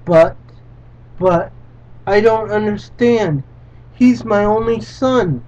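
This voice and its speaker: A man reading the lines of a desperate father who is pleading for his only son, in a halting way. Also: high voice, darkish tone, far from the mic, pitched above the performer's own voice. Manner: halting read-aloud delivery. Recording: dull lo-fi recording.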